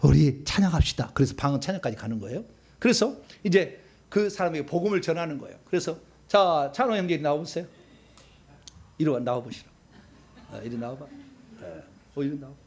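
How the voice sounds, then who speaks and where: Husky-voiced Korean pastor, lively and high. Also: male voice, brisk. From South Korea. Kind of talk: charismatic prayer meeting teaching.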